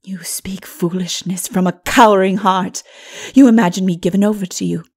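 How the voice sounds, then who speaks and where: A woman voicing a proud, tyrannical princess in a dark fantasy audiobook, with a forceful, haughty delivery. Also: medium pitch, fairly even intonation, moderate pace, pitched below the performer's own voice, natural voice. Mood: furious defiance. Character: defiant proud wicked princess, tyrannical and unrepentant.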